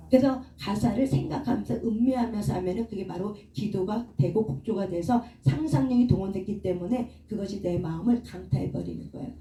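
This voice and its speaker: In a church prayer room, a woman whose voice is mid-range and dark preaches at a prayer meeting. She questions the congregation and guides call-and-response, heard distantly through the room's echo.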